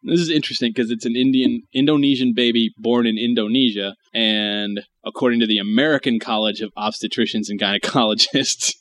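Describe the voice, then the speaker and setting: A man's voice: medium pitch, steady tone, brisk, hardly any pauses, a bit bright, slight background noise. Crude, chuckling comedy podcast host man. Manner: crude jokes, chuckling while reading articles aloud. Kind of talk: casual comedy podcast chat.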